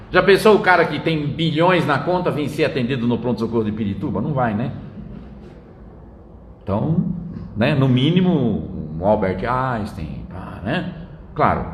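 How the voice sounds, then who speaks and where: A man's voice: mid-range voice, a little hiss or hum. An older man giving a casual spiritual talk, telling anecdotes and tagging his lines with "né?". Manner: chatty storyteller, tags lines with "né?". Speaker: spiritist lecturer. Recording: roomy echo.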